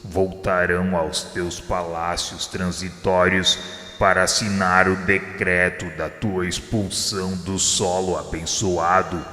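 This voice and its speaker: A man voicing Jesus as a grave divine figure in a radio drama, speaking with a Brazilian Portuguese accent in measured, solemn pronouncements. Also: deep voice, level tone, full character voice. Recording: heavy reverb with soft music behind.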